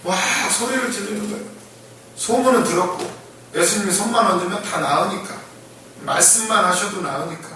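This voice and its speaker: A man preaching a conversational sermon to a congregation, acting out the blind men's shouting and laughing often as he tells the story. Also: sits high, a little fast, a little hiss or hum. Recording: echoey room, voice from far off the mic.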